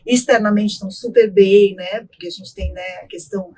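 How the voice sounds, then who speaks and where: Woman doctor explaining in a measured tone. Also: mid-range voice, fairly even intonation, over a noisy crowd. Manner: measured, explanatory, frequent tag questions. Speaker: ENT doctor, guest expert. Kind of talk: explanatory interview talk.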